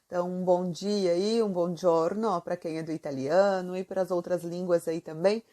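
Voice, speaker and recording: A woman's voice: fairly low pitch, steady tone, moderate pace, dark tone. A woman from southern Brazil with a Santa Catarina accent, teaching Italian in a chatty video lesson and asking the viewer lots of questions. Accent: Santa Catarina Brazilian Portuguese. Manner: chatty, asks the viewer many questions, many fillers.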